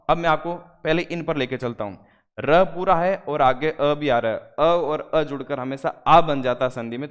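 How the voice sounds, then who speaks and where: Male teacher, fairly high voice, methodical exam-prep explainer, slight hall reverb. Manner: explains step by step, slows to spell out word parts.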